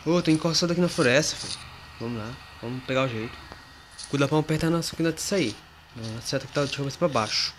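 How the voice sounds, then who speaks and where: A man's voice: mid-range voice, very fast, slight background noise. A man casually commenting on a horror game as he plays, talking to viewers and a friend, yelping at scares. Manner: excitable, yelps at jump scares, talks to viewers and a friend. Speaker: gamer playing a horror game.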